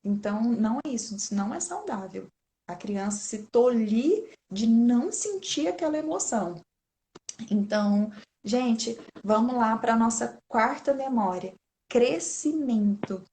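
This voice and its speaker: A woman's voice: fairly high pitch, animated, a little slow, dark tone. A woman in her thirties with a Brazilian Portuguese accent, giving an informal talk on raising children and often turning to her listeners. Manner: chatty, keeps addressing listeners as "gente". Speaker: parenting speaker. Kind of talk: informal talk to an online audience.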